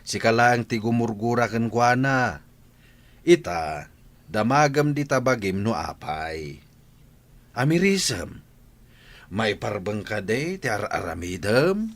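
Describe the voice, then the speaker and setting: A man's voice: lowish voice, sing-song, takes it slowly, long pauses, exaggerated voice. A man voicing a strict, hot-tempered father who scolds his family in an audio drama. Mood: scolding. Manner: scolding, shouts when angry.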